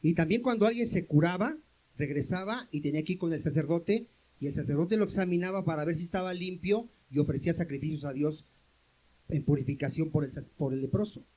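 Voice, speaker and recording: Male pastor, high voice, questions-and-answers sermon style with calls for amens. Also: fairly quick, dark tone, rough recording. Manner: questions the congregation and answers himself.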